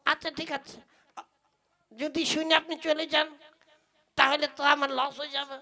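Woman playing a high, cheeky village tea seller man. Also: little pitch movement, normal speed, sharp tone. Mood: teasing, stalling. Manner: exaggerated, teasing, long-winded. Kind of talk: comic Bengali folk puppet play.

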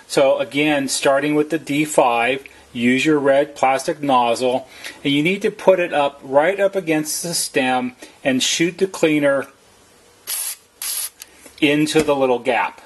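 A man with a slightly husky voice narrates a how-to as a service technician, explaining plainly and methodically, step by step. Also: mid-range voice. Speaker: service technician giving a tutorial.

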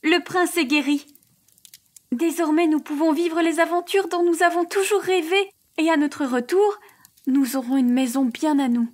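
A woman voicing Kate, a brave and cheerful young woman, sounding bright and eager. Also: high voice, fairly even intonation, moderate pace, voice pushed up, close to an everyday voice. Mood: joyful.

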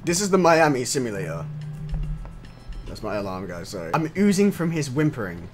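A man's voice: mid-range voice, very animated, brisk, music in the background. A young man giving casual gameplay commentary, jumpy and laughing, swearing and yelping when startled. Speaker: gaming streamer.

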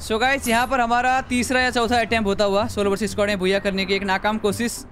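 A man's voice: sits high, flat delivery, fast, music in the background. Chatty man narrating his gameplay. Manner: chatty, joking, complaining. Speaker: gaming channel host. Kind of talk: gameplay commentary to viewers.

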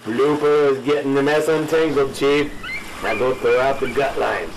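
A man's voice: medium pitch, steady tone, moderate pace, noisy background, close to an everyday voice. A man playing a crusty old fisherman skipper in a spoof radio drama, bossy and scornful, with folksy, ungrammatical put-downs.

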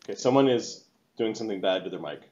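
A man's voice: lowish voice, animated, fast, darkish tone, dull audio, slight background noise. A middle-aged man running a tabletop game as game master, casually narrating and explaining rules over an online call. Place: indoor room, video call.

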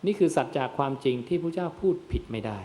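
A Buddhist monk gives a dharma sermon in a man's voice of middle pitch. He speaks straight to his listeners and puts questions that he answers himself. A faint noise runs under the recording. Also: expressive, fast talker, mellow. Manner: addresses listeners as "yom", asks and answers his own questions.

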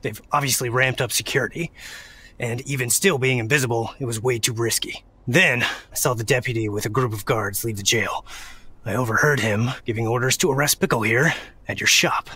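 Scheming drow elf rogue for a fantasy audio drama, glib and husky. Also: male voice, mid-range voice, brisk, sharp tone. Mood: self-assured. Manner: glib, self-assured.

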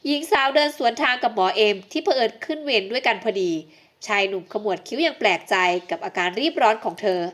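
A woman author reads her romance audio novel aloud with steady, even storytelling. Her voice sits slightly high. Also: fast. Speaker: narrator and author. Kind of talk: scripted audio novel narration.

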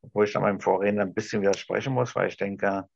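A middle-aged man with a restrained Berlin German accent gives an improvised address, halting and choosing his words carefully, with a gravelly, husky voice. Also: lowish voice, fairly even intonation, slight background noise. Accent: Berlin German, restrained toward High German. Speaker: discussion participant. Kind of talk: improvised speech to an imagined TV audience. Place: small room indoors. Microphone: video call, device at some distance. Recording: dull, lo-fi video-call audio.

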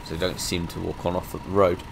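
A man with a croaky voice from being ill, casually commenting as he plays a driving game, rambling with lots of fillers. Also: deep voice, level tone, quick pace, background noise. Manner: rambling, many fillers, chatty asides. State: croaky from illness. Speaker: gaming channel host. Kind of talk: casual let's-play commentary.

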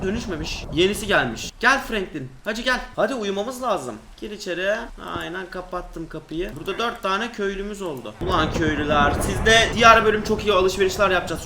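Young male gaming streamer, high bright voice, excitable jokey commentary, slightly echoey room. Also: slight background noise. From Turkey. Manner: excitable, joking, talks to the viewers and game animals. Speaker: gaming YouTuber. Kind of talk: Minecraft gameplay commentary.

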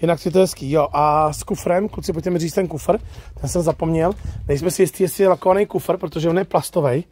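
With a slightly high, somewhat mellow, steady voice and slight background noise, a man hosts a car review channel. He's chatty and informal, tacking "jo" onto his sentences while walking around a used car lot outdoors and then test-driving from inside the car.

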